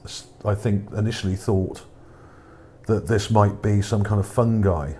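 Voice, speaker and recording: A man's voice: fairly low pitch, fairly even intonation, a little slow, warm tone. A man giving casual, unscripted commentary on images for his video, musing and hesitant as he goes. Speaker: video narrator presenting own image finds. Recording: background noise under the voice.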